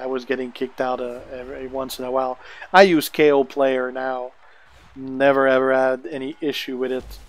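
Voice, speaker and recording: A native French speaker, accent clearly French, hangs out with gaming stream viewers, chatting loosely and chuckling frequently. His voice is mid-range and the audio has no echo.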